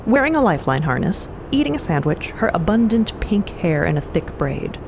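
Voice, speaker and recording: A woman narrating a scripted story in a conversational way, with clear ambient noise behind her. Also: lowish voice, very animated, normal speed.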